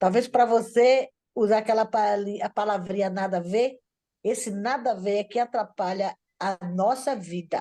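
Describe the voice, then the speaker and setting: A woman's dark, mellow, fairly high-pitched voice at a moderate pace, with fairly even intonation. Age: 60s. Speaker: participant in a group devotional. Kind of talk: testimony. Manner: halting.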